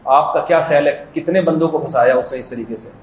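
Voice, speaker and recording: Joking man preaching in an echoey room. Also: fairly high pitch. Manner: joking, conversational storytelling. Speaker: mufti giving a religious talk. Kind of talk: humorous Islamic sermon.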